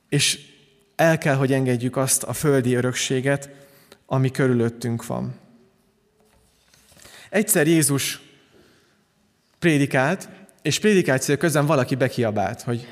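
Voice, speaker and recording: Male pastor, middle pitch, earnest unhurried sermon delivery, reverberant hall sound. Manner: calm, earnest preaching with frequent restarts.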